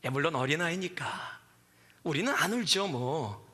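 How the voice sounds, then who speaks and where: A man's voice: fairly high pitch, lively intonation, moderate pace, pushed and bright, breathy edge. A man in his forties preaching a sermon as pastor, telling stories animatedly and acting out the voices he quotes. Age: 40s. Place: church sanctuary. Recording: reverberant church hall.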